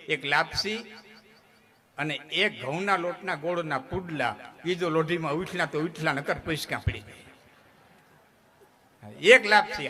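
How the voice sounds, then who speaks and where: A folk storyteller with a Kathiawadi Gujarati accent tells humorous folk tales live on stage, his high voice sharp in tone. He's chatty and jokey, often checking in with listeners, and the recording carries crowd noise from the audience.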